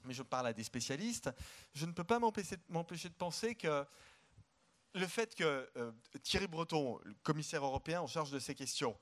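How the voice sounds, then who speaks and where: A man with a fairly high voice talks as a guest economist at a conference. He is outspoken and emphatic, and he often repeats words as he gets going. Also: lively intonation, normal speed. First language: French. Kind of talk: live stage interview. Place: conference stage.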